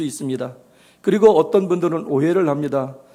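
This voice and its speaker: An unremarkable speaking voice from a man, fairly high in pitch, with lively intonation and a fairly quick pace, in a very clean recording with a silent background. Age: 60s. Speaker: lay preacher. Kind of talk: sermon. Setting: church.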